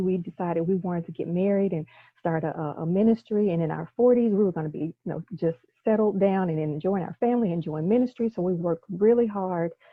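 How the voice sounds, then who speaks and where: A woman in a Tennessee accent, medium-pitched, fairly quick, with ordinary pitch variation. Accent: Southern US (Tennessee). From US South, Memphis, Tennessee. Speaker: executive leadership coach. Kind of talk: interview testimony.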